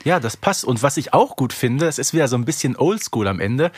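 A man's voice: medium pitch, expressive, fairly quick, slightly rough, no room sound, studio quality. A man co-hosting a podcast in casual discussion, thinking aloud and often checking for agreement. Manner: conversational, ponders aloud, seeks agreement. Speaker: podcast co-host.

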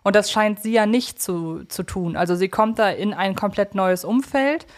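Reflective woman co-hosting, medium pitch. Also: normal speed. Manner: reflective, searching for words. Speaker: podcast co-host. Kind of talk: conversational analysis.

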